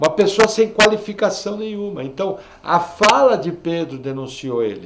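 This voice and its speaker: With a São Paulo accent, a man speaks at a moderate pace in a high pitch, his intonation lively and the room echo audible. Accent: São Paulo (paulista). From Brazil, São Paulo. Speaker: pastor. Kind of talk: sermon / Bible study. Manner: conversational.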